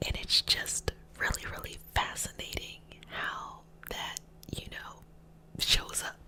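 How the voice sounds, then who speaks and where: Whispering woman, ASMR healer. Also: takes it slowly. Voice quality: breathy unvoiced whisper. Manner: gentle, encouraging, affirming. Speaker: ASMR host and energy healer. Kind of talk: whispered ASMR motivational talk.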